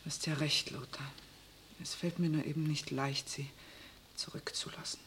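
Soft, pleading young mother. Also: sits low, steady tone, moderate pace, whispered. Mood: hushed, sorrowful. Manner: soft, pleading, often hushed. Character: gentle, hopeful, anxious young mother and wife. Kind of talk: 1960s German radio drama acting. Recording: 1963 radio recording, faint background noise.

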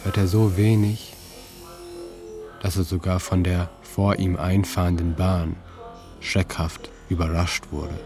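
A man reading his own literary narration in a calm, measured way, with slow deliberate pauses. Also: low voice. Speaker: narrator and author. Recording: narration over music.

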